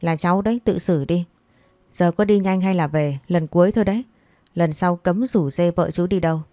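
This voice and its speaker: A woman's voice: fairly low pitch, normal speed, warm tone, no room sound, lightly acted. A woman voicing a stern, protective older uncle who speaks in curt, clipped orders in a storybook.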